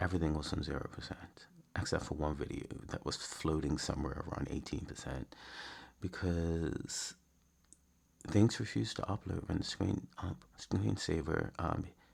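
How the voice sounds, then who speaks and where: Vocal fry runs through this voice, which keeps a moderate pace and ordinary pitch variation. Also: man, very deep, low pitch for a man. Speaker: poet and video creator. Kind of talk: casual vlog monologue. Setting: sitting on bed at home. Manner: halting, repeated sounds and pauses; little mouth movement.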